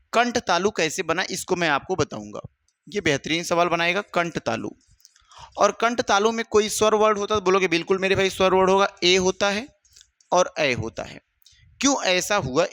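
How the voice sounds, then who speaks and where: A man's voice: high voice, fairly bright tone, dry recording. A man teaching an exam-prep grammar lesson. He asks questions, answers them himself and calls the students "my brother.".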